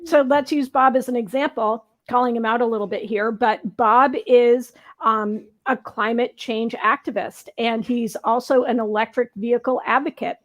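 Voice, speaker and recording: Very high-voiced woman co-hosting a talk show. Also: steady tone, moderate pace, hardly any pauses. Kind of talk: casual panel discussion.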